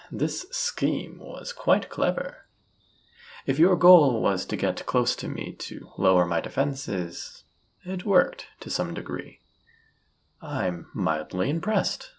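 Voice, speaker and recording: A man playing a suave, seductive demon in a flirty audio roleplay, husky and gravelly, with a teasing, theatrical, often murmured delivery. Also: mid-range voice, full character voice. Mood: mocking, impressed. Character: suave seductive male demon, smug and dangerous.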